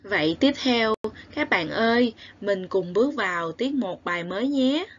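A woman with a southern Vietnamese accent teaching a recorded lesson to young children, spelling sounds aloud clearly and praising the class. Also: medium pitch, expressive, moderate pace, highs cut off. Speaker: primary school teacher.

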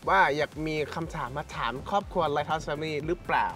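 A man's voice: on the high side, normal speed, a bit bright. Young man, polite, reads fan questions, lakeside outdoors, a bit distant, faint music. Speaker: son reading fan questions. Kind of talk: casual Q&A chat.

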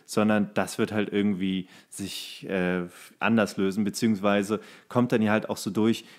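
A man hosting a podcast, chatting casually about films in a rambling, halting way, searching for words. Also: fairly low pitch, flat delivery. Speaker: podcast host. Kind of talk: casual film chat.

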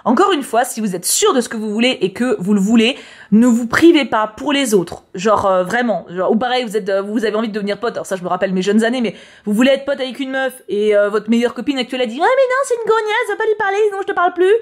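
A YouTuber reading tarot horoscopes, this woman talks quickly in a slightly high voice. Her casual chat is slangy and she tends to repeat words.

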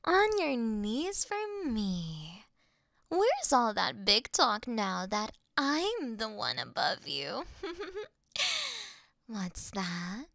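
A woman playing a gloating, scornful female hero in an audio roleplay, mocking and deliberate, sometimes breathy. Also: on the high side, wildly swooping pitch, fairly bright tone, dry recording, clean studio sound, exaggerated voice. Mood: mocking glee. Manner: mocking, slow, deliberate, breaking into whispers. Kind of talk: dramatic scripted audio roleplay monologue.

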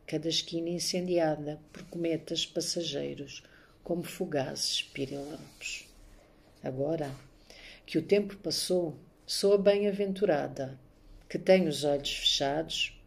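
Woman, middle-aged, low voice, soft measured recitation, phone at arm's length, indoors. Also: gravelly, husky. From born in Angola, raised there. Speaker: poet and maths teacher. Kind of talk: self-introduction and poetry reading. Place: home room, indoors. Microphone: phone camera at arm's length.

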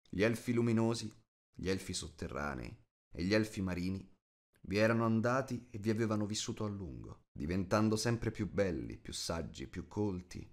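A male narrator reads a fantasy audiobook in a fairly low voice. The delivery is scripted storytelling. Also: vocal fry.

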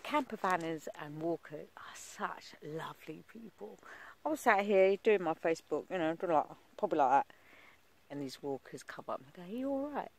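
A middle-aged woman vlogging casually from her phone outdoors, chatty, laughing often and dropping into breathy asides. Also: lowish voice, big pitch swings, normal speed. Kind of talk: casual vlog narration. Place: outdoors on windy coast and town streets. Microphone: phone at arm's length.

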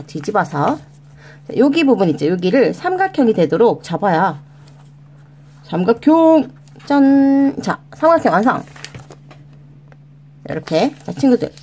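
Lively sing-song woman teaching kids origami. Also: mid-range voice, moderate pace, breathy edge. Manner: sing-song, coaxing, addresses children as friends. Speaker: children's origami channel host. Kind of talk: step-by-step craft tutorial for kids.

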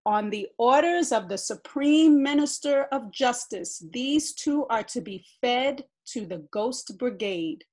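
A woman reading as a loud, barking soldier in a storybook. She gives him a husky voice, and he shouts out commands. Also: a little high, expressive, slow, few pauses, voice pushed up. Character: blustering soldier man, barking orders, easily scared.

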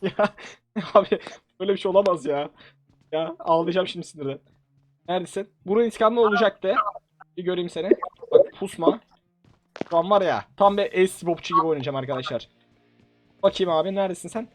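Soft music plays under a high, brisk voice that leaves long pauses. A young man commentates a shooter game for his YouTube channel with playful teasing and excited bursts of laughing shouts.

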